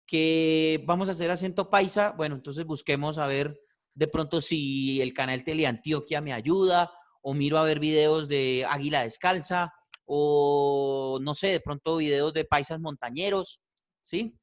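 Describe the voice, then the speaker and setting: A man teaching a voice class, animated and repetitive, checking in with "¿cierto?" often. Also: fairly high pitch, unhurried. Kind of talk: online class feedback.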